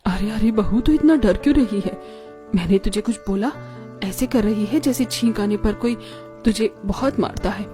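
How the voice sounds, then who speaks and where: A woman voicing a kind, caring middle-aged mother-in-law in an animated story, speaking in a calm, motherly tone. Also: mid-range voice, moderate pace, faint music behind, lightly acted.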